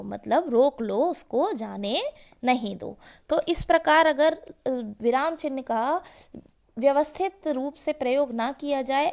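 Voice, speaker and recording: Female teacher for a children's grammar lesson, high voice with some fry, asks questions and then answers them. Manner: slow, explaining with questions and examples.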